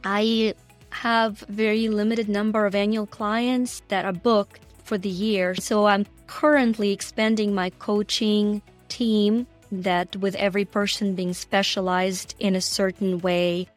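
A woman guest on a podcast talking about her coaching work in an earnest, animated way, often laughing as she speaks. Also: mid-range voice, unhurried, faint music behind. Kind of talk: conversational interview.

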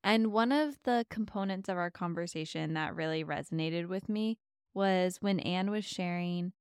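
A woman guiding a meditation softly and soothingly, giving gentle, slow, spacious instructions as a host. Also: lowish voice, clear, resonant tone, no echo, clean studio sound. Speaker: meditation podcast host and guide. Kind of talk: soft, soothing guided meditation.

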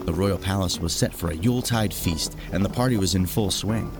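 A man's voice: low voice, fairly quick, music in the background. A man narrating a scripted fairy tale as a storyteller for all ages.

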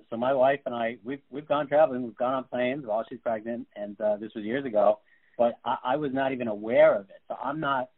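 A man hosting an interview, asking questions in a friendly, rambling way with fillers. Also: medium pitch. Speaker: interview host. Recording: tinny phone-like line.

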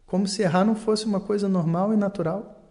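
A man giving a calm, explanatory talk on learning and mistakes, acting out short dialogues as he goes. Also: high-pitched, fast talker.

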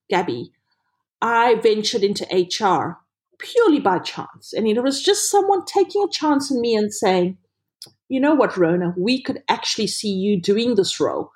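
A woman's voice: medium pitch, a little mellow. A middle-aged woman with a South African accent, a podcast guest telling her career story in an earnest, reflective way over a remote call. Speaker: guest, HR director. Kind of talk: podcast interview, personal story.

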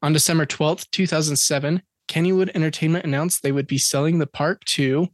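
A man with a fairly high voice hosts a casual podcast chat. He reads out facts and dates with jokes mixed in. The sound is close and dry, with no room around it. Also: fairly even intonation, a little fast, no room sound. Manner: chatty, joking, reads facts and dates aloud. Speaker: podcast co-host.

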